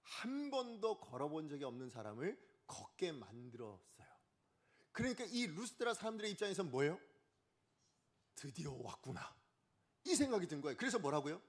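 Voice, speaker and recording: Lively, animated male pastor preaching. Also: a little high, brisk. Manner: lively, asks the congregation questions and acts out quotes. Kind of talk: Sunday morning sermon. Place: church sanctuary.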